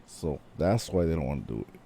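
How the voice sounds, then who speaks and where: A man co-hosting a podcast in casual chat, with a deep, smooth low voice and a laid-back, matter-of-fact way of talking. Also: lively intonation, brisk, dark tone, a little hiss or hum. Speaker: podcast co-host.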